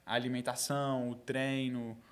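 A man, a videomaker guest, telling animated stories in a casual podcast chat and swearing casually. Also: medium pitch, moderate pace, crowd noise.

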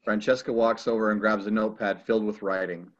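A man with a fairly low voice reads scene descriptions in a plain, neutral way. The sound is somewhat dull and muffled. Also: fairly even intonation, fast. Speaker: audio description narrator.

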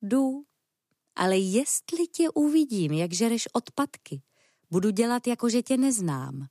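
A prim, fussy cat from a children's storybook, haughty and disdainful, with her voice lifted higher than the narration, as a woman puts her on. The sound is close and dry. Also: big pitch swings, warm tone, no room sound. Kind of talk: storybook reading.

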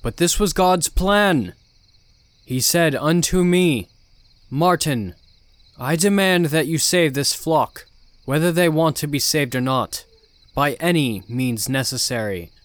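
A man voicing a charismatic male cult prophet in his forties, preaching slowly with an authoritative yet kind tone. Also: a little high, animated, no room sound, pitched above the performer's own voice. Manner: slow, authoritative sermon-like delivery.

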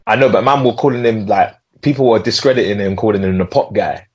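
Young man, London roadman accent, slangy podcast chat, low-pitched, slightly husky, repetitive phrasing. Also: fast talker, a little mellow, no room sound. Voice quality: urban London street slang delivery. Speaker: podcast host. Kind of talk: casual music podcast chat.

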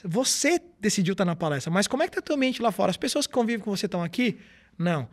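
A man with a high voice talks quickly and earnestly as a podcast guest. He explains his points step by step, in the way of a motivational speaker. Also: lively intonation. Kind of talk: podcast interview, casual conversation.

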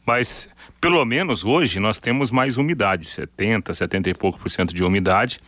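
A man's voice: on the low side, lively intonation, normal speed, a bit bright, dry recording. A man chats casually on a radio panel. He is recorded close and dry. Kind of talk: casual weather chat.

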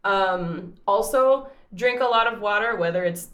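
A woman's voice: mid-range voice, unhurried, a bit bright, roomy sound. A woman singer, chatting casually and explaining at length, her voice still recovering from a cold. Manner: chatty, explains with many fillers and restarts. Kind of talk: casual chat.

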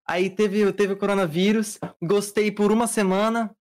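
A man's voice: high-pitched, steady tone, moderate pace, a little mellow. A young man with a Brazilian Portuguese accent, chatting casually as a guest. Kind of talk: casual chat.

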